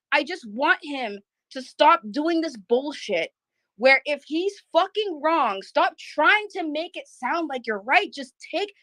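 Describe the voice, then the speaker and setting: A woman's voice: high voice, fairly bright tone, dry recording. A woman who makes drama videos on YouTube, talking bluntly and heatedly in a casual online chat, swearing freely and restarting her sentences.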